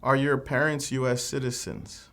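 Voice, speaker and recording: A man playing an immigration officer in a scripted mock interview, asking formal, measured questions. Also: medium pitch, little pitch movement, fairly bright tone.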